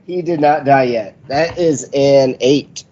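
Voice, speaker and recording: Casting: casual male gamer, medium pitch, table chat, slightly lo-fi sound. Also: slow, dark tone, a little hiss or hum. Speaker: player on a tabletop game podcast. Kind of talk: casual chat during play. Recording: slightly dull, lo-fi microphone.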